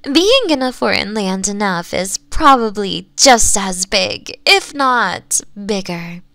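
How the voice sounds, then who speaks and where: A woman voicing a doting, possessive fox-woman mistress in an intimate ASMR roleplay, softly coaxing and often slipping into whispers. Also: medium pitch, animated, slow pace, no echo, exaggerated voice. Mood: pleased, devoted. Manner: soft, breathy, coaxing, often dropping into whispers.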